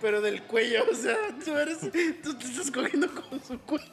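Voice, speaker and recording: A man's voice: very high-pitched, normal speed, over a noisy crowd. A Mexican man in playful, crude banter with friends, teasing and laughing often.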